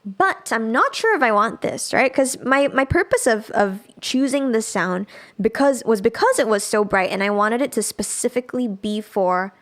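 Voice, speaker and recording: Female tutorial host, slightly high-pitched, casual and explanatory, thinks aloud while working through software. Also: animated, normal speed. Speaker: music production instructor.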